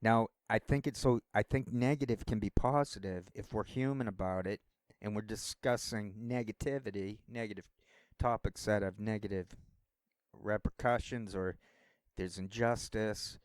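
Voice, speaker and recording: A man's voice: lowish voice, steady tone, moderate pace, dry recording. A man rambling through a casual solo monologue as a vlogger, wandering from thought to thought. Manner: rambling, meandering talk.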